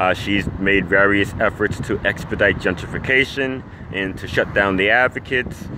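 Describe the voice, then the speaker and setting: The sound is dry with no echo, though background noise is noticeable. A man with a fairly low pitch speaks fairly slowly with fairly even intonation. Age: 40s. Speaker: homeless advocate; activist commentator. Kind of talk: monologue commentary. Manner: halting, many fillers. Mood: serious, critical, indignant. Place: street. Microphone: phone near.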